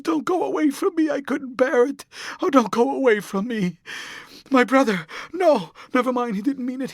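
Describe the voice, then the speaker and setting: A man reading aloud who voices a desperate, heartbroken young woman, pleading tearfully in breathless rushes. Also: extremely high pitch, no echo, clean studio sound, pitched above the performer's own voice.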